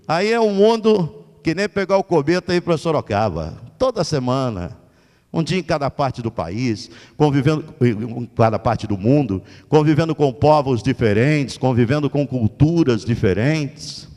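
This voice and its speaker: A middle-aged man with a Brazilian Portuguese accent, a journalist giving a lively storytelling lecture and acting out the dialogue in different voices. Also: medium pitch, long reverb tail. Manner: dramatic, acts out dialogue in voices. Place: lecture hall.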